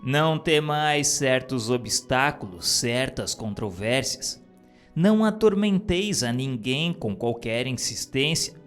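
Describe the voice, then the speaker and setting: A man giving a solemn, earnest reading of a religious text, measured and exhorting. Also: medium pitch, animated, fairly bright tone. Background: faint music.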